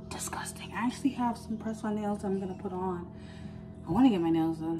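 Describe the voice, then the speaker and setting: With clear music in the background, the woman talks at a fairly quick pace. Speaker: vlogger. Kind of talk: casual vlog chat. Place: home room. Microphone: phone near.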